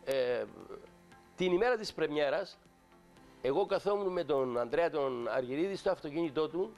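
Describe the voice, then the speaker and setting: A man's voice: a little high, lively intonation, darkish tone, soft background music. An older man with a Cypriot accent, a guest actor telling an indignant, emphatic story on a talk show and acting out the dialogue.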